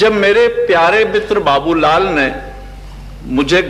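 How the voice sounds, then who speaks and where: A man's voice amid noticeable background noise. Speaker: satirist. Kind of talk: satire reading. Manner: humorous.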